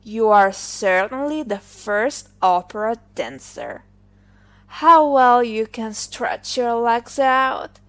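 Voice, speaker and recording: Storybook shirt collar, male, pompous braggart and flirt female reader, exclamatory, unhurried delivery. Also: on the high side, big pitch swings, exaggerated voice. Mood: gushing, flirtatious. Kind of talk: fairy-tale storybook character reading.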